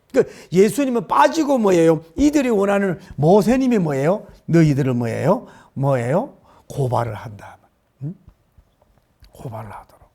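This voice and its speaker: A middle-aged man preaches a sermon in a high, gravelly voice. He presses his congregation with repeated rhetorical questions and emphatic turns. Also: dark tone. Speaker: pastor.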